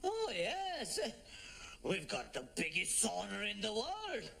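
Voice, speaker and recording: A man's voice: high voice, huge pitch swings, takes it slowly, vocal fry, very noisy, full character voice. An actor playing a pompous, blustering middle-aged Pakistani father in a sitcom, with a Pakistani accent, laughing nervously to cover his slips. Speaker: sitcom lead. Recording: studio audience laughter behind.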